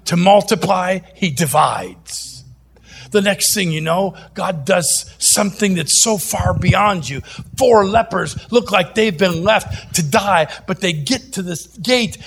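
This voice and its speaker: A man preaching a sermon, animated and jokey, moving between loud outbursts and quiet asides. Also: high voice, a little slow, creaky, slight background noise.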